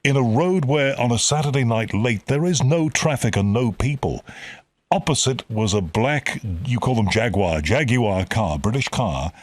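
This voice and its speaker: A man's voice: medium pitch, expressive, moderate pace, no echo. A man hosting a casual interview, eager and repeating words as he talks. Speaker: interview host.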